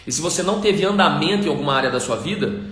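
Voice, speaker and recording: A man's voice: a little high, lively intonation, racing, a bit bright. A male pastor giving an emphatic, repetitive sermon on a live stream, speaking directly to viewers. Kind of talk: livestream sermon. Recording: echoey room.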